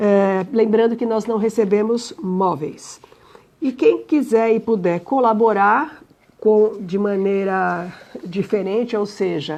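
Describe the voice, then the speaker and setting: A woman speaks at a medium pitch with a dark, mellow tone. Her pace is very slow, with ordinary pitch variation. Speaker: spiritist center host. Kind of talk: livestream announcements. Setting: online livestream. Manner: casual.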